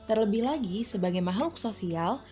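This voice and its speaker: A woman's voice: medium pitch, animated, normal speed, warm tone. A woman with an Indonesian accent reading scripted documentary narration as the host. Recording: voice-over with music underneath. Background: music.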